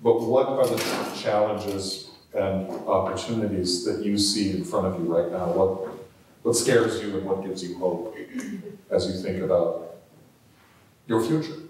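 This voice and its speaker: A man's voice: deep voice, slight background noise. Man speaking from far across an echoey hall. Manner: relaxed, halting, many fillers. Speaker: theatre company leader moderating a panel. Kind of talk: panel discussion with slides.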